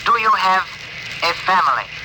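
An actor playing a gentle alien ship's communicator who speaks in stiff, oddly formal phrases, in a 1950s radio drama. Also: male voice, high-pitched, big pitch swings, moderate pace. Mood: solemn. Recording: hissy old radio broadcast.

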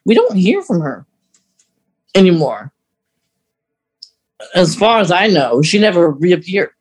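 Man podcaster with a higher voice. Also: big pitch swings, slow, slightly rough. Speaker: podcast host. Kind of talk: casual chat discussing a story.

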